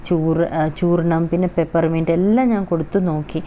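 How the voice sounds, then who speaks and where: A woman with a Malayali accent explains a Hindi lesson for schoolchildren, reading each line slowly and then explaining it. Her voice sits low and mellow. Faint ambient noise runs under the recording. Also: steady tone. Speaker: Hindi teacher.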